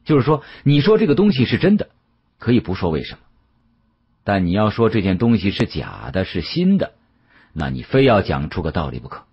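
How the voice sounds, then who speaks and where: A man narrating an audiobook as a dramatic storyteller, with an expressive, conversational delivery. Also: on the low side, brisk, slightly rough, lo-fi sound.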